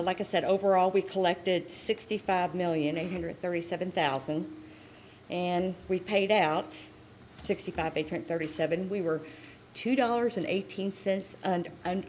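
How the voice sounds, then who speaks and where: A woman's voice: fairly low pitch, darkish tone, slight background noise. A woman from a sheriff's office presenting tax figures at a public meeting, chatty and plain, with some stumbles. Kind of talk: informal report at a public meeting.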